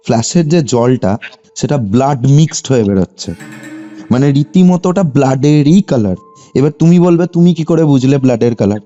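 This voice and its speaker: A young man with a West Bengal Bengali accent tells a personal story conversationally as a caller, often checking that his listener follows. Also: medium pitch. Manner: animated telling, often seeking confirmation with short tags. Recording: muffled lo-fi phone call, music behind. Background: background music.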